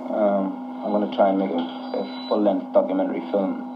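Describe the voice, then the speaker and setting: A man with a Geordie accent over music in the background. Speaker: rock singer. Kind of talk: radio interview answer. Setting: radio studio, off-air tape recording.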